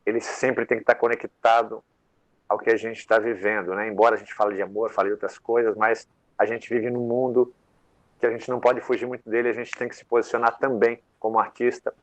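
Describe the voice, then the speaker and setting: A man's voice: medium pitch, level tone, a little fast, no echo, low-quality recording. A man, a songwriter, talking loosely about his work as a guest on a live panel, with lots of fillers. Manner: rambling, many fillers, conversational. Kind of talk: casual interview talk.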